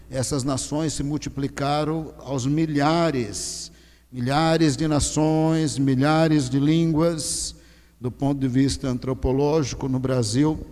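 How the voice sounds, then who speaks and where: A male pastor preaching a sermon, swinging from low, slow emphasis to loud, rising exhortation. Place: large church hall. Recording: long church reverb.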